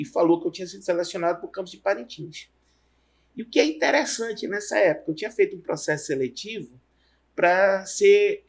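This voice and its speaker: Man, middle-aged, husky voice, fairly high pitch, rambling storyteller. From Amazonas, Brazil. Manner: rambling, halting storytelling with restarts. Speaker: university professor, guest. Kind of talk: relaxed career interview.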